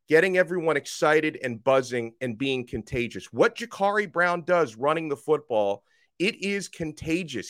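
A man hosting a college football podcast, slightly hoarse, talking with emphatic energy that rises toward near shouts. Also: a little high, no room sound, clean studio sound. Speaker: sports podcast host. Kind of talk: college football talk with ad read. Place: radio studio.

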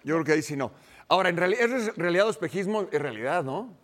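A man commenting on football in a heated debate, cutting in with rapid, repeated remarks. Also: high-pitched, expressive. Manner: rapid, repetitive interjections. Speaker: sports commentator.

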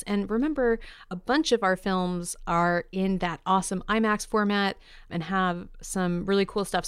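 Bubbly woman podcast host with a smooth voice. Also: on the high side, dry recording, clean studio sound. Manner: bubbly, playful, enthusiastic. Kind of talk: upbeat co-hosted podcast chat about entertainment news.

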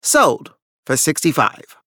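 A man's voice: medium pitch, huge pitch swings, takes it slowly, creaky, bright, forceful tone, no echo, clean studio sound, exaggerated voice. A man voicing a formal, unflappable Victorian auctioneer in a gothic audiobook, calling lots and bids in a clipped manner. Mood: brisk, formal.

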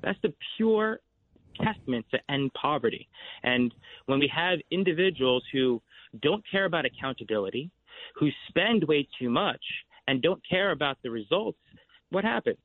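A man's voice: fairly high pitch, expressive, moderate pace, no echo. A man running for city controller, calling in as a guest and talking in upbeat, slogan-like bursts. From New York City. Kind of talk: campaign talk on a radio show. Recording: tinny phone line.

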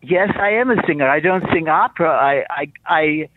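A man's voice: a little high, normal speed. A man and singer calling in to a radio show, speaking earnestly and emphatically. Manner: earnest, emphatic, repeats himself. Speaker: caller, singer. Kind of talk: call-in talk over phone. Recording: dry tinny phone line.

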